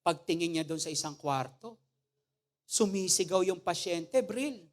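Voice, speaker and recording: A woman pastor preaching a sermon with humor. She often asks the congregation "Amen?" and swings between loud, emphatic phrases and soft asides. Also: lowish voice, expressive, measured pace.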